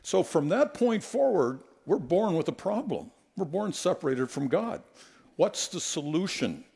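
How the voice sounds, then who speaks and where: Animated gravelly-voiced male preacher. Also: high-pitched, measured pace. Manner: animated, storytelling, acts out quotes. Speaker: guest preacher. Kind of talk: sermon with humorous anecdotes. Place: church sanctuary. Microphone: headset.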